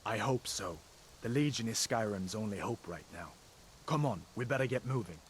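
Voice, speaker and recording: An actor playing an earnest, persuasive soldier in scripted fantasy game dialogue. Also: male voice, lowish voice, animated, moderate pace, slight background noise, lightly acted. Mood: earnest, reassuring. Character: urgent, earnest male imperial soldier.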